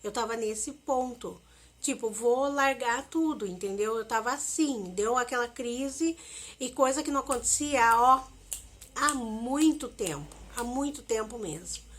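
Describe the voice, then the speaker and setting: A woman's voice: fairly high pitch, measured pace, fairly bright tone. A woman, talking emotionally and repetitively straight to her viewers in a confessional vlog. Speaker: vlogger.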